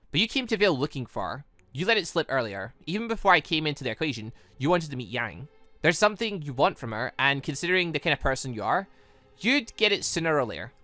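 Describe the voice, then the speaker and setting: Young visual novel hero read by a game host: indignant, argumentative, bright and forceful, music underneath. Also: mid-range voice.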